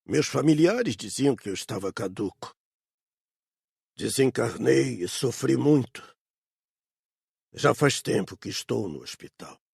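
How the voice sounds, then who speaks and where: A man with a Brazilian accent playing a remorseful old hunter's spirit in a dramatised audiobook, slow and confessional, with a gravelly, husky voice. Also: mid-range voice, expressive, a little mellow, no room sound, clean studio sound, exaggerated voice. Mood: grave, confessing.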